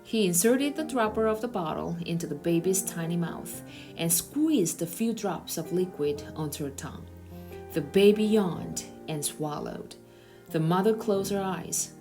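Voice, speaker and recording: A woman's voice: lowish voice, animated, a little slow, over music. A woman narrator reading a children's novel aloud in a storytelling style.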